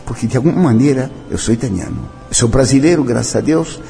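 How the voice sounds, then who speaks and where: An older Brazilian man who heads a Catholic cultural association reminisces in an interview, speaking solemnly and declamatorily while slipping in French and Italian phrases. His medium-pitched voice is gravelly, dark, and expressive, and he talks fast over faint music.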